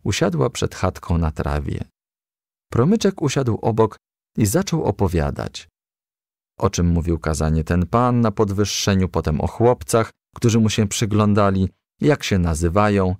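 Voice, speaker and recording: A man narrating a children's storybook as a gentle, lively storyteller. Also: fairly low pitch, a little slow, dry recording, studio quality.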